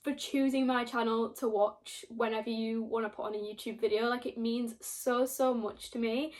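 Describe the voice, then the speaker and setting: Young woman, Yorkshire accent, chatty rambling vlog talk, slightly high voice. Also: steady tone, normal speed. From Yorkshire, England. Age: young adult. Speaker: book vlogger. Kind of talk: casual chat to camera.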